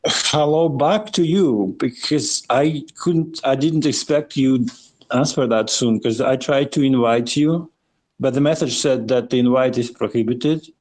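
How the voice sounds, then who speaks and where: Mellow man, halting and rambling. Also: medium pitch. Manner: halting, hesitant, repeats words. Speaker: podcast co-host. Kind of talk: casual rambling chat.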